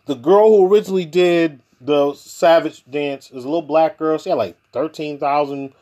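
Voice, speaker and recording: A man hosting a podcast in casual chat, telling stories in an animated way, laughing often and acting out what people said. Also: a little high, moderate pace. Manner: animated storyteller, laughs often, acts out quotes. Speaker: podcast host.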